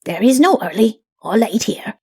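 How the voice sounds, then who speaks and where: A woman's voice: medium pitch, animated, moderate pace, warm tone, slightly rough. A woman voicing a solemn, patient, fatherly old patriarch in a fantasy audiobook, with grave, assured pronouncements.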